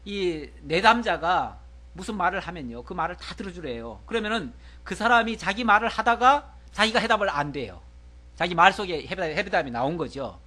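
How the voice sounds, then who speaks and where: A man's voice: sits high, big pitch swings, normal speed, bright, forceful tone. A middle-aged man preaching a sermon, explaining a Bible passage plainly and acting out a speaker's pleas in a raised voice. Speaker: pastor.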